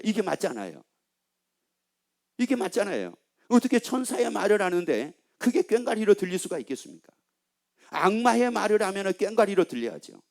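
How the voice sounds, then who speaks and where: A man's voice: high-pitched, a little mellow. A male pastor preaching a sermon, putting questions to the congregation and repeating their answers back, with teasing asides.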